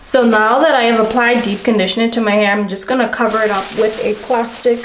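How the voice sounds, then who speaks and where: A woman's voice: on the high side, steady tone, fast talker. A young woman casually talking through her hair-care routine for a vlog, chatty and often correcting herself mid-sentence. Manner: chatty, self-correcting, talks through each step. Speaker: beauty vlogger. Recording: echoey home room, faint ambient noise.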